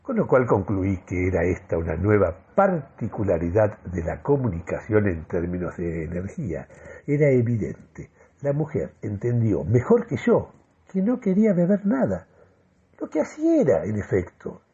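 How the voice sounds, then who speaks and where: An actor playing a euphoric, deluded man who solemnly delivers a grandiloquent radio monologue with deliberate, dramatic pauses. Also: fairly low pitch, big pitch swings, warm tone, slightly rough, muffled recording, full character voice. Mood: earnest, deluded. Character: euphoric, deluded man convinced of mystical energy communication. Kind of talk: theatrical first-person radio monologue.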